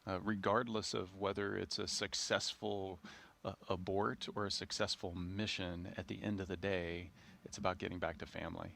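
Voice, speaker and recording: Deep-voiced man reflecting in live conversation. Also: little pitch movement, normal speed, gravelly, a bit bright, slight background noise. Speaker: astronaut guest commentator. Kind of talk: unscripted live broadcast conversation.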